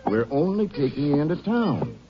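A man's voice: a little high, sing-song, moderate pace. A man playing an earnest, plain-spoken small-town sheriff with an American accent in an old radio drama. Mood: coaxing, firm. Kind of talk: 1950s radio drama acting. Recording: dull old radio recording with hiss.

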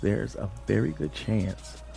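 A man's voice: on the low side, lively intonation, slow pace, gravelly, mellow, faint music behind. A man co-hosting a casual pop-culture podcast, joking around and laughing often. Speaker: podcast co-host.

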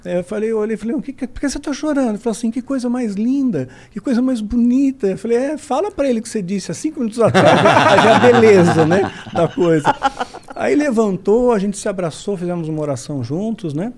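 A man's voice: high voice, fast. A man with a Brazilian accent telling a story in casual chat, acting out voices as he goes. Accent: Brazilian Portuguese. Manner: animated, acts out quotes. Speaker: podcast guest.

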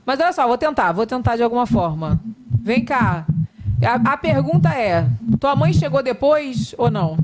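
A woman hosting a podcast in casual chat, playful and quick to laugh. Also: a little high, very animated, a little hiss or hum. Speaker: podcast host.

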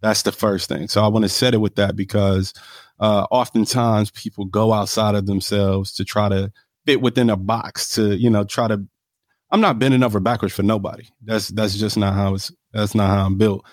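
A man's voice: on the low side, steady tone, moderate pace, no echo, clean studio sound. A man with an African American accent talking casually in an interview, emphatic and self-assured, often punctuating his points with "right?". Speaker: real estate developer being interviewed.

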